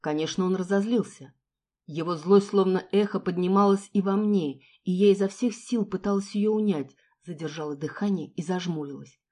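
A woman reading a first-person novel aloud as an audiobook narrator, with expressive storytelling. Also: lowish voice, normal speed.

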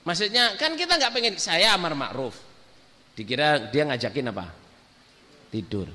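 A man's voice: a little high, animated, moderate pace, sharp tone. A man preaching to a congregation, telling a story and acting out the quotes, sometimes mixing in English. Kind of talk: sermon. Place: mosque or prayer hall with a congregation. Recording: hall reverb.

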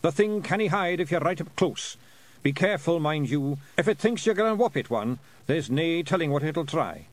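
Rowdy little pixie brawlers, as a man puts them on, with broad Scottish accents. They sound rough and brash, faking posh manners badly. Their voices are high, loud and swooping. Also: expressive, moderate pace, close to an everyday voice. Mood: warning. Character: rowdy tiny male pixie warriors at a ball.

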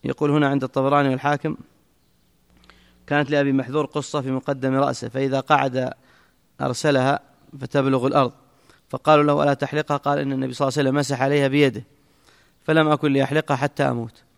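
Fast, gravelly man teaching in a hall. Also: mid-range voice, little pitch movement. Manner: brisk explanatory, quick asides and restarts. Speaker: teacher explaining a hadith text. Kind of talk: classroom commentary. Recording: echoey hall.

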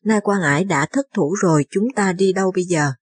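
A woman's voice: fairly low pitch, a little fast, slightly rough, no echo. A grieving noble lady general, read by a woman narrator. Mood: sorrowful. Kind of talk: scripted narration of a historical novel.

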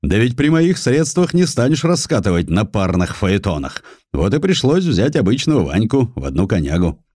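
Man acting a blunt, low-voiced old general. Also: big pitch swings, moderate pace, hardly any pauses, a little mellow, dry recording, studio quality. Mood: sly, jovial. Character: blunt, wry old Russian army general.

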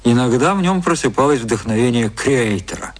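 A male actor giving a measured, detached scripted narration as the narrator of a literary radio drama. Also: medium pitch, lively intonation, lightly acted.

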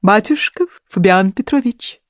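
An audiobook reader voicing a gallant, courtly balding man who speaks in a high voice. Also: expressive, measured pace, no room sound, clean studio sound, close to an everyday voice. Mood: gallant, pleading. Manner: courtly, pleading.

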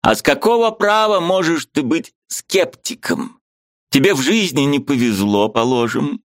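A man voicing a fiery, preachy male friend who hammers home his points in a high, heated voice with a Ukrainian-tinged accent. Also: expressive, unhurried, no room sound, studio quality. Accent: Little Russian (Ukrainian) inflection.

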